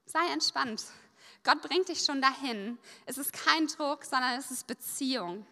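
A woman preaching a sermon in a lively, conversational way, pausing so an interpreter can follow. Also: sits high. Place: church service hall. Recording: long reverb of a church hall.

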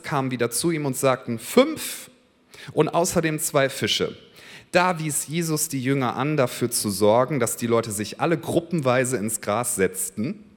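A male pastor preaching a sermon and reading scripture, talking straight to his listeners with rhetorical questions. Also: mid-range voice. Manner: conversational, addresses listeners directly with rhetorical questions. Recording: long hall reverb.

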